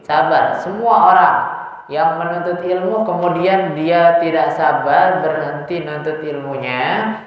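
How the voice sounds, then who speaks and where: Male preacher, casual and teasing, recorded with heavy echo and a dull sound. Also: on the high side. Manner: casual, teasing students with rhetorical questions. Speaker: religious teacher. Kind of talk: informal Islamic study lecture. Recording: echoey dull hall recording.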